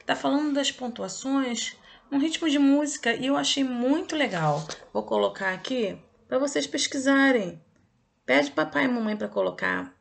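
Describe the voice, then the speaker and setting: A woman's voice: high voice, gravelly. A woman teaching a recorded review lesson to children. She talks in a didactic way, stretches key words and often checks in with short "okay?" tags. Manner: didactic, drawn-out emphasis, checks in with "ok?" and "tá?".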